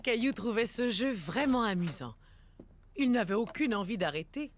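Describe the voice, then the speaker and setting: A woman playing a gentle storybook narrator, telling a children's cartoon story in scripted narration. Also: on the high side, lively intonation, moderate pace, a little hiss or hum, close to an everyday voice. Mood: gentle, amused.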